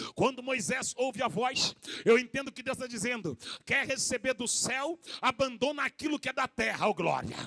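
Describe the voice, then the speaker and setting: A raised, projected voice at a moderate pace, animated in tone with ordinary pitch variation, dry and close with no echo. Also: man, extremely high pitch for a man. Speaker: pastor. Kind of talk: sermon.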